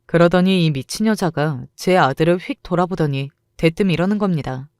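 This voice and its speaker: A woman's voice: lowish voice, normal speed, darkish tone, no room sound, studio quality. A woman narrating a first-person radio story in a bitter, vivid way.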